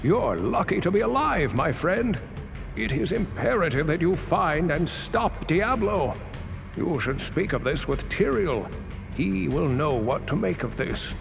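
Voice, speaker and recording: An actor playing an earnest, solemn adviser to a hero in a dark fantasy game, with a creaky voice and an emphatic, theatrical delivery. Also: male voice, fairly high pitch, big pitch swings, measured pace, exaggerated voice. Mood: earnest concern. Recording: long hall reverb, music underneath.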